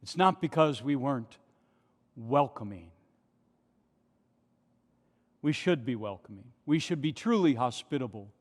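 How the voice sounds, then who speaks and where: In a large, nearly empty church, a male pastor delivers an impassioned sermon into a pulpit microphone, posing rhetorical questions. His medium-pitched voice is animated and moves at a moderate pace, and a long church reverb trails every line.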